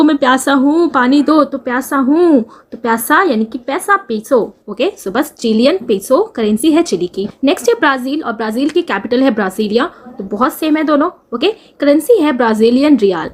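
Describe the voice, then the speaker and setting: A woman giving a chatty exam-prep lesson, asking questions and answering them herself. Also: high voice. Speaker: teacher.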